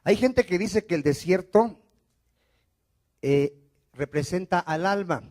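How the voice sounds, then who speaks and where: A man's voice: sits high, takes it slowly, a little mellow. A man preaching a sermon as pastor, asking the congregation questions and having them repeat after him. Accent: Mexican Spanish. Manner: call-and-response preaching, frequent rhetorical questions.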